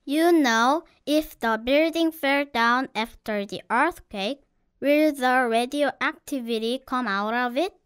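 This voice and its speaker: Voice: high voice, slow pace, fairly bright tone, clean tone. A performer playing an earnest, anxious little kindergarten child in a children's storybook audiobook. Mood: worried.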